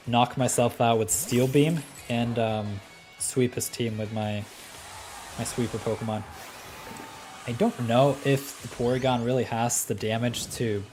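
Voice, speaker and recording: With a darkish, medium-pitched voice and a Norwegian accent, a man from Norway hosts a live game stream. He provides commentary, reads chat, and chats easily with viewers between plays, sprinkling in ums and laughs. Faint music can be heard behind him.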